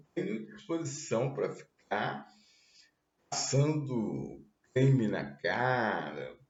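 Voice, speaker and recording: With audible room echo around him, a man speaks at a very slow pace. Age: 70s. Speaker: spiritist study leader. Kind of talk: religious study talk. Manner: casual, conversational.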